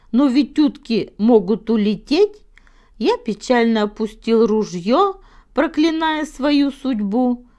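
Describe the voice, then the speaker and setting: A woman narrating a children's tale from a script, with expressive, deliberate phrasing and dramatic pauses. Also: on the high side. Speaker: storyteller.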